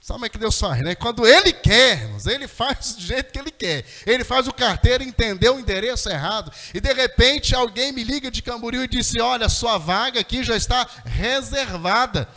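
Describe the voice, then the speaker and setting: A middle-aged man preaches a fervent testimony in a very high, bright voice. He speaks straight to the congregation, and his words ring through a long, echoey church hall. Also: expressive, brisk, hardly any pauses. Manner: fervent storytelling, addresses the congregation directly. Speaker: missionary preacher. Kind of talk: sermon testimony.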